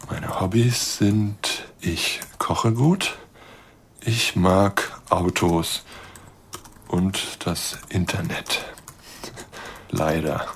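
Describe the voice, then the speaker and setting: An actor playing a lonely, awkward middle-aged astronomer in a radio play, halting and muttering as he composes emails. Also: deep voice, creaky, slight background noise, heavily acted. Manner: halting, self-correcting, muttering, trailing off.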